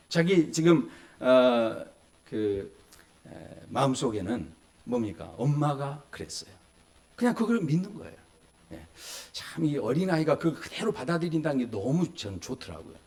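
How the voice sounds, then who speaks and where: A man in his forties preaching a sermon as pastor, telling stories, acting out small voices and asking the congregation questions. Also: on the high side. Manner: lively storytelling, acts out children and adults in little voices.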